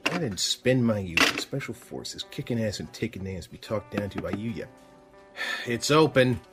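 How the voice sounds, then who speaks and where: An actor playing a gruff, irritable police sergeant with a military past, brusque and commanding, in an audio drama. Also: male voice, fairly low pitch, animated, moderate pace, over loud music, lightly acted. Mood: irritated. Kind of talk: full-cast audio drama acting.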